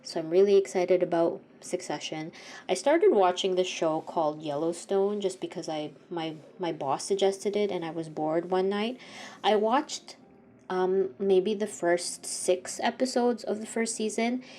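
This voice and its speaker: A woman's voice: on the low side, measured pace, a little hiss or hum. Congested young woman chatting while painting. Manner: rambling, self-correcting, soft-spoken. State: congested, sniffly. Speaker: art vlogger. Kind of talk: casual chat while painting. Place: home art studio.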